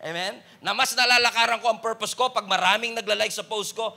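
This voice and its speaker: A male pastor with a Filipino accent, preaching a sermon that mixes Tagalog and English, asking the congregation for an amen and crying out pleas loudly. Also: high-pitched, steady tone, quick pace, vocal fry.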